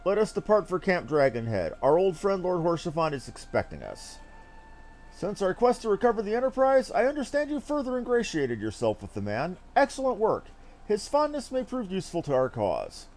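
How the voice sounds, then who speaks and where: Man acting out an earnest young nobleman, high-pitched, declamatory. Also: very animated, moderate pace, a little mellow, soft background music. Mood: confident, measured. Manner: declamatory, archaic formal diction. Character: earnest, idealistic young nobleman and diplomat, self-assured, formal. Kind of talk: theatrical read-aloud of fantasy game dialogue.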